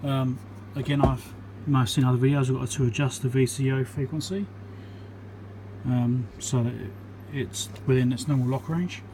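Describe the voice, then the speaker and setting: Presenting his electronics repair work at an indoor workbench, a New Zealand man talks casually and matter-of-factly without a script. His mid-range voice holds a steady tone at a moderate pace, and the background is noisy.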